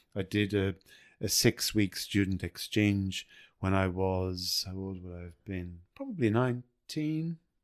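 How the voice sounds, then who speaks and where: The speaker has an Irish accent and a fairly slow pace. The loudness swings widely, while the pitch varies in an ordinary way. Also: man, very deep, low pitch for a man. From Ireland. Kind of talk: interview answer. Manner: hesitant, casual.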